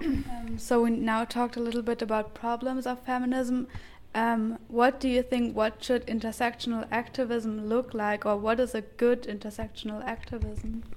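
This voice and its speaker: The speaker has a German accent and a moderate pace. The intonation is monotone and flat. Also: woman, fairly high pitch for a woman. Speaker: student podcast host. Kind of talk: scripted explanation.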